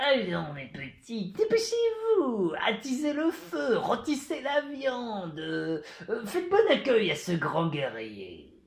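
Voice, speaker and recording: A man puts on a creaky character voice at an extremely high pitch, speaking very slowly. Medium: solo performance. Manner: fawning, overly courteous.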